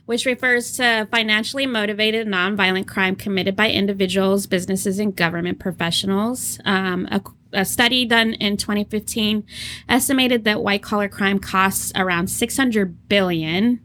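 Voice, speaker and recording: With a medium-pitched, slightly bright voice, a woman co-hosts a casual podcast at a normal speed and fairly even intonation. She tells stories, laughs often, and acts out what others said. There's a little hiss or hum in the background.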